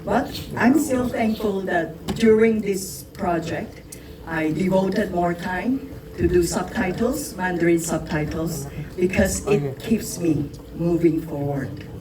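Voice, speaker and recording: A woman with a Filipino accent answers press questions at a crowded screening. Her voice sits fairly low, and her tone is earnest and reflective, with frequent hesitant fillers. Loud crowd chatter fills the hall behind her. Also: slow, recorded from a distance. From Philippines. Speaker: actress and producer being interviewed. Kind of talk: press interview at a film screening. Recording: noisy crowded event.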